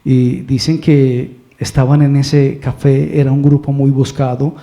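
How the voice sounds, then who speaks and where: A male preacher with a Colombian Spanish accent, telling a story slowly and deliberately, acting out the dialogue. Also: mid-range voice, vocal fry, dark tone. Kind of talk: sermon storytelling.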